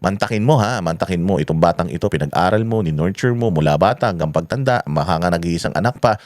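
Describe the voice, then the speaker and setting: A man's voice: sits low, fast talker, darkish tone, no echo. A man from the Philippines giving casual political commentary in a mocking tone, swearing often and firing off rhetorical questions. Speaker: commentary vlogger.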